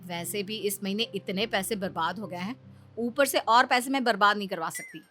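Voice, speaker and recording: A woman voicing a sensible young elder daughter-in-law in a Hindi cartoon, who talks in a calm, reasoning way. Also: medium pitch, moderate pace, a little hiss or hum, close to an everyday voice. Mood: firm.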